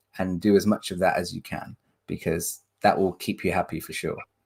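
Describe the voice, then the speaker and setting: On a very clean recording with a silent background, a man talks at a fairly quick pace with a strong English accent. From England. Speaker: singer. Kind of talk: interview. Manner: halting.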